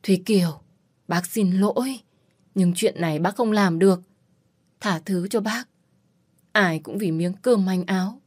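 A woman voicing an older, kindly household servant who speaks gently and consolingly in an audiobook. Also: mid-range voice, unhurried, long pauses, slightly rough, dry recording, studio quality.

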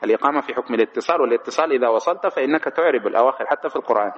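Fast-talking male religious teacher, lo-fi. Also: mid-range voice. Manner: keeps asking rhetorical questions and answers them himself; demonstrates correct and wrong pronunciations. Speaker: teacher of Islamic jurisprudence. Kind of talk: explaining a legal text in a lesson.

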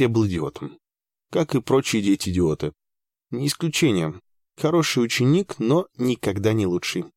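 Low-voiced man reading a dry audiobook. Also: darkish tone, dry recording. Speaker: audiobook narrator. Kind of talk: first-person audiobook narration.

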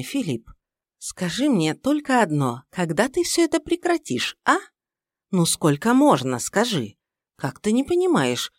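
A domineering older mother-in-law, full of indignation, her voice pitched well above the reader's own and pushed loud, as a woman reads her in an audiobook. She scolds and lectures in a shrill, reproachful manner. The sound is dry and close. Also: no room sound. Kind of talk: audiobook character reading.

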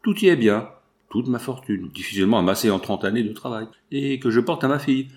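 A man's voice: medium pitch, expressive, a little fast, darkish tone, lightly acted. A man voicing a white-haired old traveler, flustered and exclaiming. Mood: relieved.

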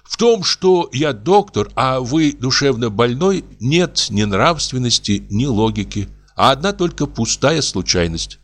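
A male narrator voicing a meek, gentle doctor who speaks softly and apologetically, a little raised above his narrating voice. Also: mid-range voice, lively intonation, a little slow, voice pushed up. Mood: soothing. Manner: soft, mild, apologetic.

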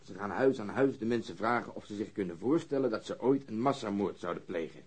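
A man's voice: lowish voice, lively intonation, brisk, darkish tone, slightly rough. An actor playing a cynical male police detective in a radio drama, blunt, coarse and sarcastic.

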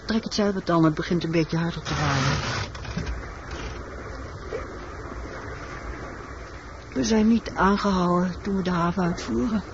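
An actress playing a weary, secretive woman in a radio drama, telling her story in a measured, matter-of-fact way. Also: fairly low pitch, natural voice. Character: weary, secretive woman confessing a wartime killing. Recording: muffled, noisy old radio recording.

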